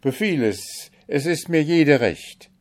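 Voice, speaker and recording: A man's voice: on the low side, expressive, slow pace, a little mellow. A man voicing a young caliph under a spell, urgent and exclaiming, in a storybook reading. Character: young caliph turned stork, eager and impatient.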